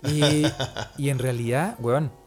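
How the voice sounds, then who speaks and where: A Chilean man chats as a podcast co-host, with music in the recording. His pitch is average, and he talks in loose, slangy bursts full of swearing, exaggerating his exasperation for comedy. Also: fairly even intonation, takes it slowly, darkish tone. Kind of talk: casual comic storytelling chat.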